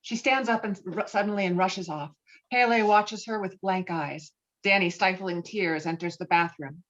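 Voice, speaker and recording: A woman's voice: mid-range voice, normal speed, fairly bright tone. A woman narrating stage directions from a film script at a virtual table read. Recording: dull, lo-fi video-call audio.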